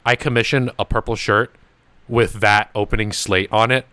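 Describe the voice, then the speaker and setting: Young male podcast host, animated profane storyteller, dry close sound. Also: lowish voice, normal speed, smooth, no room sound. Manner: swearing, laughing, animated anecdotes. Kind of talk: casual storytelling chat.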